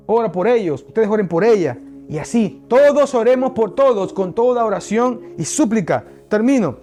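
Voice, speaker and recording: Male pastor, sermon, emphatic, talks right at the congregation, high-pitched. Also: a little mellow. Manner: emphatic preaching, addresses the congregation directly.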